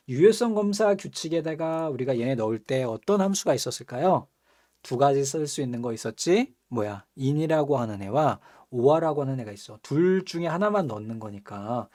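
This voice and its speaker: A young man teaching a computer course over his screen, his voice mellow and warm with lots of rise and fall. He chats with his students, laughs easily and keeps tossing them quick questions. Keyboard typing clicks along behind him. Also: mid-range voice. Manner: chatty, asks students rhetorical questions, laughs often. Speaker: computer skills instructor. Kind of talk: screen-recorded software tutorial.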